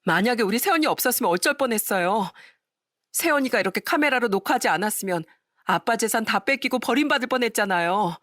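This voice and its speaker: A woman's voice: on the high side, expressive, quick pace, a bit bright, dry recording, clean studio sound, pitched above the performer's own voice. A woman voicing a scornful fierce sister-in-law. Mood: reproachful. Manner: scolding, scornful.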